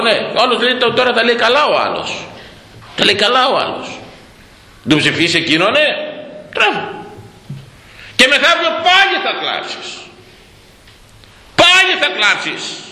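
Animated priest in an echoey church. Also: male voice, on the high side. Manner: animated, rhetorical questions, mocking asides. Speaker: Orthodox priest preaching. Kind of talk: sermon on a Proverbs verse.

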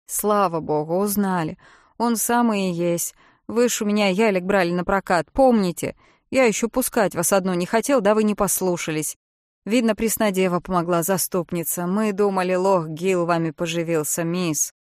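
A woman reading a kindly, flustered male boat-rental owner, talking in loud, excited exclamations. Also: fairly low pitch, moderate pace, no echo, studio quality, natural voice. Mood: reassuring.

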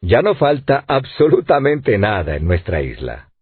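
A man voicing a hardy, ardent sailor in an audiobook, with a husky voice and exclamatory speech. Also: on the low side, huge pitch swings, measured pace, full character voice. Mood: delighted. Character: hardy middle-aged sailor, ardent and grateful. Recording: dry, tinny phone-like sound.

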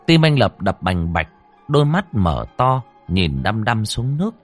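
A man's voice: on the low side, big pitch swings, a little slow, soft background music. A man narrating a ghost story in a suspenseful, dramatic way.

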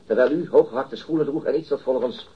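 An actor playing a formal, persistent police detective questioning a witness in a radio drama, politely insistent. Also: male voice, medium pitch, quick pace, slightly rough, muffled recording. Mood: official, matter-of-fact. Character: male police detective inspector, formal, persistent, coolly pressuring. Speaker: interrogating police officer. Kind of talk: radio drama dialogue, interrogation.

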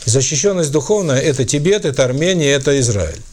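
This spiritual lecturer and author talks animatedly and quickly in a mid-range, darkish voice during a lecture with audience questions. His delivery is hesitant, full of fillers and restarts, and there is a little hiss or hum in the audio.

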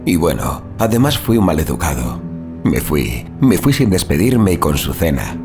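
A man's voice: rumbling low, big pitch swings, normal speed, over music, heavily acted. A man playing a gleefully sadistic undead killer who narrates his murders with theatrical, sardonic menace in a horror audio drama. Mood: gloating, nostalgic.

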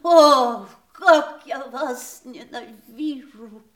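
An actress playing a bitter, wounded middle-aged wife in a theatrical audio drama, with emphatic, anguished delivery. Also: female voice, sits high, extremely slow, fairly bright tone, heavily acted. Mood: sharp, resentful. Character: bitter, wounded ageing wife of a dying famous man. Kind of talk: theatrical Russian radio drama acting.

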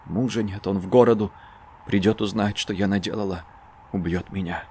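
A man voicing a desperate peasant mother with a hoarse voice, speaking low and hushed. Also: fairly even intonation, moderate pace, a little hiss or hum, close to an everyday voice. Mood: hushed dread.

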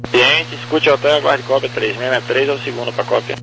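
A Brazilian man with a medium-pitched voice gives clipped air traffic instructions. The radio transmission has a clear hum and noise throughout. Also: fairly even intonation, fairly quick. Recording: humming, noisy aviation radio.

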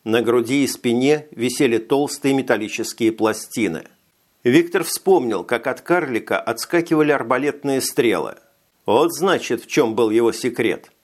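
A male audiobook narrator with a mid-range voice reads in a steady, measured way. He keeps an even narrative delivery throughout. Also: medium pitch. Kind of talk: scripted narration.

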